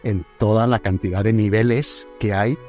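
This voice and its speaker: Low-voiced man, halting interview answers. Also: steady tone, over music. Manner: halting, many restarts and fillers. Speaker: music manager.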